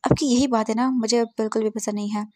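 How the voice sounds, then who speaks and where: A woman's voice: a little high, fairly even intonation, fast, a little mellow, no echo, lightly acted. A woman doing an arrogant rich young man. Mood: cold. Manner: blunt, dismissive, mixes English words.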